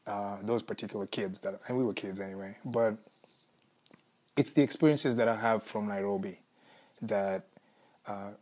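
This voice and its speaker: A young man from Congo with a Kenyan accent, a musician answering interview questions in a thoughtful, searching way with restarts and soft laughs. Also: lowish voice, moderate pace, pauses often. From Congo, raised in Kenya. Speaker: musician, former refugee.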